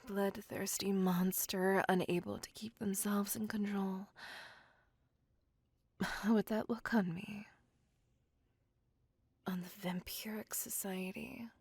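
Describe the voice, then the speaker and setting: A genteel, possessive ancient vampire woman, voiced by a woman, whispers slowly and intimately right against a close ASMR mic. Her hushed voice is gravelly and breathy. She speaks in formal, old-fashioned phrases and pleads softly. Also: medium pitch, steady tone, dry recording. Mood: hungry. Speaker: voice actor. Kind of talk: ASMR roleplay. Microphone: close ASMR microphone.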